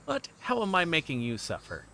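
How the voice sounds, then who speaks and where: A man's voice: a little high, huge pitch swings, fairly quick, creaky, pushed and bright, slight background noise. A man livestreaming a visual novel, switching between reading aloud and rambling, joking chat with viewers. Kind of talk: reading game text aloud mixed with casual stream chat.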